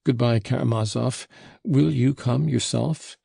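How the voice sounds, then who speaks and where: A man voicing a proud, impulsive schoolboy in an audiobook, with an abrupt, hurried and brusque manner. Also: on the low side, lively intonation, gravelly, dark tone, husky, dry recording, studio quality, heavily acted. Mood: sharp, angry. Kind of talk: audiobook character voice.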